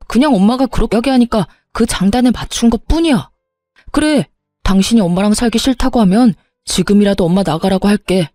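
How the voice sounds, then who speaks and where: A woman's voice: medium pitch, dry recording, studio quality, close to an everyday voice. A woman voicing a desperate, pleading husband. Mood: begging. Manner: begging, then shouting and threatening. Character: pleading, hot-tempered young husband. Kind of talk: storybook narration with acted dialogue.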